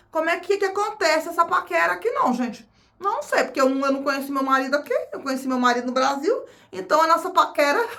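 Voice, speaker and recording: Brazilian woman vlogging, high voice, chatty, keeps repeating herself. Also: vocal fry, a bit bright. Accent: Brazilian Portuguese. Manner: chatty, repeats phrases, addresses viewers as "gente". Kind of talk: casual chat to camera.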